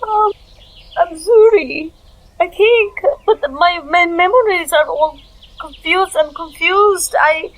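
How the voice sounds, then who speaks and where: A woman playing a distraught, confused young female adventurer in a tabletop game, halting and repeating herself as she talks. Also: extremely high pitch, low-quality recording. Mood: tearful confusion.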